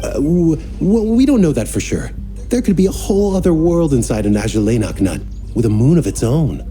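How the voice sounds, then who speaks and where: A man playing an earnest, flustered young temple member in a video game, speaking formally with halting apologies. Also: on the high side, big pitch swings, warm tone, faint music behind. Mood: defensive.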